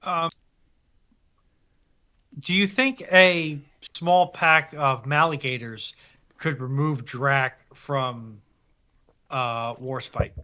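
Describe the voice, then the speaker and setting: A man's voice: medium pitch, fairly even intonation, extremely slow, pauses often, pushed and bright. A man on a panel chatting casually about a specialist subject. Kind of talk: casual chat.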